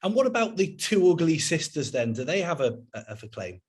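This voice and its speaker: A man's voice: fairly high pitch, big pitch swings, brisk, darkish tone, husky. Chatty male interview host. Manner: chatty, filler-heavy.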